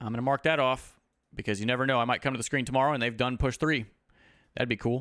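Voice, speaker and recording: On a very clean recording with a silent background, the speech comes very fast with fairly even intonation. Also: man, medium pitch for a man. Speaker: trading educator. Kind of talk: live stream chart analysis tutorial. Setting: live stream with chat. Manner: casual, filler-heavy.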